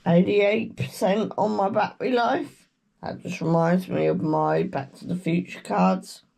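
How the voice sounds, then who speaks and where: A woman with a British accent, croaky from a cold, giving a slow, meandering tarot reading with murmured chants. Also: on the low side, fairly even intonation, a little mellow. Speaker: tarot reader. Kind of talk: casual tarot reading chat.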